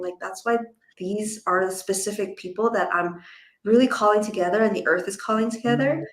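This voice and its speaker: A woman's voice: medium pitch, roomy sound, low-quality recording. A woman hosting a casual online interview, speaking effusively and peppering her talk with "like". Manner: effusive, uses casual filler words like "like". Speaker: host and event organizer.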